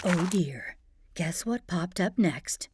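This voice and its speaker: A woman hosts a children's storytime, narrating a fairy tale expressively with playful, chatty asides to young listeners while music plays. Her voice is on the low side and expressive, and she takes it slowly.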